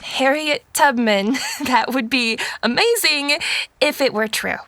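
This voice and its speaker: A woman's voice: high-pitched, slow pace, a bit bright, no echo, exaggerated voice. A woman playing a skeptical, sarcastic sixteen-year-old girl in an audio drama, with a wry, incredulous manner and stammers. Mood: dismissive.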